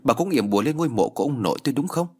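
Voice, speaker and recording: A man's voice: mid-range voice, animated, rapid-fire, slightly rough, voice pushed up. A man voicing a grave older village man who speaks in a stern, accusing way.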